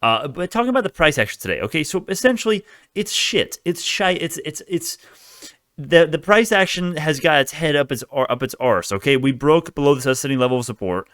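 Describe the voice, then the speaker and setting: Male retail-trader host, crypto-bro swagger, quick and informal, clean smooth voice for off-the-cuff market commentary. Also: a little high, lively intonation, fairly bright tone, no echo, clean studio sound. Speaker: stock video host. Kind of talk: casual stock market commentary.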